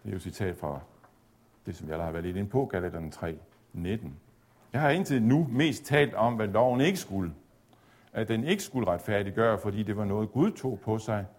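A man giving a measured, explanatory theology lecture, at times pausing on fillers. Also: fairly low pitch, darkish tone. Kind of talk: spoken lecture on Luther's reading of Galatians.

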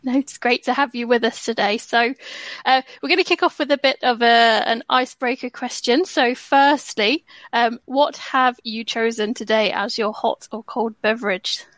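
A woman's voice: a little high, moderate pace, fairly bright tone, no room sound. An English woman hosting a podcast, reading a scripted intro and then chatting in an upbeat way and laughing often. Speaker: podcast host.

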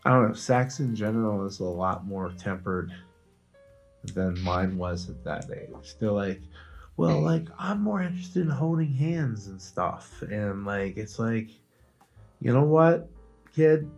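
A middle-aged man talking casually as a podcast co-host, his low voice wandering through filler words and restarts. Faint music plays behind him. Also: lively intonation, slow, creaky, darkish tone, slightly rough. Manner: rambling, many fillers and restarts. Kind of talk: casual comedic chat.

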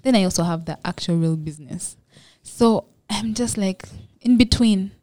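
A young Ugandan woman, a makeup entrepreneur, talks as a guest on a casual podcast interview. Her Ugandan-accented voice is medium in pitch and darkish in tone, moving at a moderate pace, and she sounds modest and reflective. There is no room sound.

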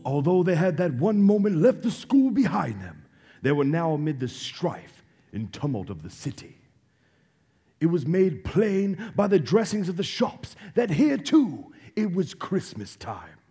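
A man's voice: a little high, big pitch swings, measured pace, dark tone, breathy edge, exaggerated voice. A man narrating a Christmas tale as a scripted, dramatic storyteller in a stage radio play. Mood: storytelling. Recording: live stage recording, music underneath.

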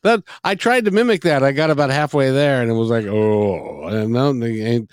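A man's voice: medium pitch, fairly quick, clean tone, dry recording, studio quality. A middle-aged man hosting a casual music interview, effusive and rambling, often repeating his phrases. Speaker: interview host.

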